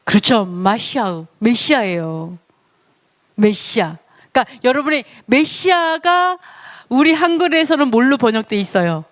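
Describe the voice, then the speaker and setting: A woman with a high voice teaching scripture in a lively, playful way. She laughs easily and keeps turning to her listeners with questions. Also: measured pace. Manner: animated, playful, laughs often. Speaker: Bible teacher. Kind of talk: lively Bible lesson.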